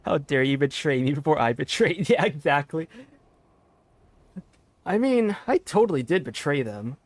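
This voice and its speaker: A man's voice: fairly high pitch, animated, normal speed, dry recording. A man streaming a game, commenting casually in a giggly, rambling, self-deprecating way into a headset.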